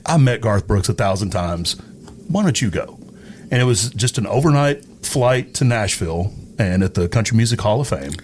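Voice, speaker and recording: Low-voiced man telling stories. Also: animated, moderate pace, darkish tone, a little hiss or hum. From East Texas, USA. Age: middle-aged. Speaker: radio personality, podcast guest. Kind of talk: casual anecdotal storytelling.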